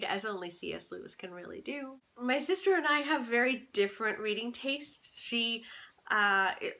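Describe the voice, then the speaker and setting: A woman's voice: medium pitch, bright, forceful tone. A young adult woman, chatting casually and emphatically as a book vlogger recommending reads. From Canada.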